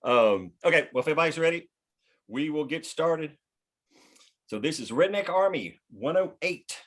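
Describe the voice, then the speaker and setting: A man's voice: fairly high pitch, animated, moderate pace, fairly bright tone. A man reading scene headings and stage directions aloud as scripted narration at a table read.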